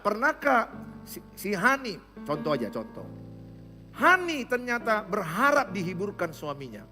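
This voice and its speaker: High-voiced Medan pastor preaching. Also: male voice. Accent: Medan Indonesian. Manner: lively, conversational, coaching volunteers on stage. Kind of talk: interactive sermon. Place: large church hall. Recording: echoey hall with guitar music.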